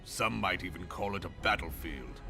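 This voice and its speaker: Stern, low-voiced fantasy commander. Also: male voice, animated, vocal fry. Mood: grave, explanatory. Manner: measured, formal, weighty delivery. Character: stern, grave male military leader in a fantasy world. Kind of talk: formal archaic fantasy game dialogue. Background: background game music.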